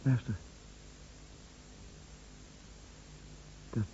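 An actor playing an anguished bedridden husband in a Dutch radio play, brooding and halting, often repeating his words and dropping to whispers. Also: warm tone, natural voice. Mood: tense, stunned. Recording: dull, noisy old radio recording.

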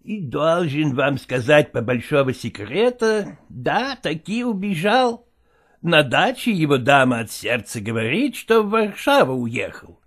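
A man's voice: a little high, very animated, fairly bright tone, heavily acted. A man voicing an evasive, fussy male theatre partner who speaks broken Russian with a Yiddish-flavoured accent. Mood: lamenting. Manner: drawn-out, wheedling, broken grammar. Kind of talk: audiobook character voice.

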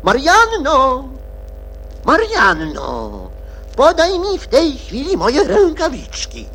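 A bossy white rabbit gentleman from a children's radio play, flustered and quick to scold. The pitch leaps wildly up and down, while the words are drawn out with theatrical impatience. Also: huge pitch swings, slight background noise, exaggerated voice. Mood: irritated, alarmed.

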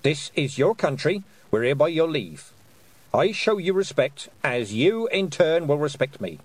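A man's voice: a little high, sing-song, a little slow, slightly rough, no room sound, pitched above the performer's own voice, exaggerated voice. A man playing a stern old witch. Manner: clipped, commanding. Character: stern thin old woman witch, proud and blunt.

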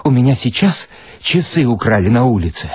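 A man voicing a broke writer, nervous and eager, bluffing haltingly in a dramatic story reading. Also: medium pitch, sing-song, slightly rough, no room sound, studio quality. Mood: forced cheer. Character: flustered, broke male writer pitching stories, bluffing eagerly.

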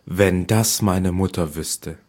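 A man's voice: sits low, takes it slowly, darkish tone, full character voice. A man doing a meek, plaintive young girl. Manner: plaintive, sighing. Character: poor, meek girl, sad and gentle.

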